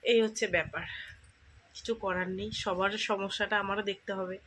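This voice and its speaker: A woman with a hoarse, weak voice, talking softly and slowly to her viewers while sick with fever, chatting casually at home at night. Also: mid-range voice, steady tone, a little hiss or hum. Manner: soft, slow and tired. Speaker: vlogger.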